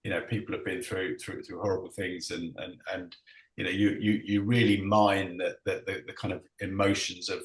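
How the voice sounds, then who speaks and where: A man's voice: low-pitched, little pitch movement, moderate pace. A man chairing an online panel discussion, stumbling over his words with many repeats and frequent laughter, heard over a video call. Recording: roomy echo.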